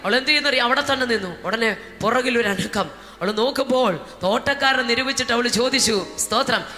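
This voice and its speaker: A woman from Kerala preaching a Pentecostal sermon, moving between shouted speaking in tongues and soft storytelling, with praise words dropped between her phrases. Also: on the high side, a little fast. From Kerala, India. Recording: reverberant hall with music behind.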